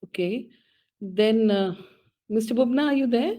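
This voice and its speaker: A woman's voice: fairly high pitch, a little slow, warm tone. A woman moderating a conference call in a polite, formal way.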